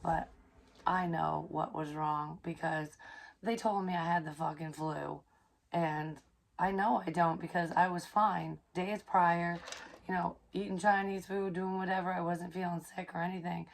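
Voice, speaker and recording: A hoarse young woman, chatting casually in a rambling psychic vlog, swearing freely and filling pauses with ums. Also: on the low side, fairly even intonation, a little hiss or hum. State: hoarse, recovering from illness. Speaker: psychic medium vlogger.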